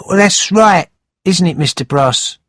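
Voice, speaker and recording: A man's voice: lively intonation, unhurried, a bit bright, no echo, exaggerated voice. A man reading a storybook aloud, voicing an honest young male servant who pleads earnestly in a raised voice. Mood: indignant. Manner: earnest, high-pitched pleading.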